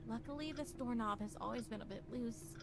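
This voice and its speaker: Woman playing a dramatic high-voiced troubled wife, noisy backdrop. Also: a little fast, lightly acted. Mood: suspicious, anxious. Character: troubled suspicious wife in a horror story, woman. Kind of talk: reading visual novel dialogue dramatically.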